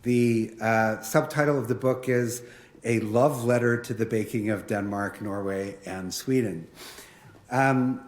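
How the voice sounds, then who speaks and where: A man hosting an event, giving a semi-formal introduction of a speaker in a halting, deliberate manner. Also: lowish voice.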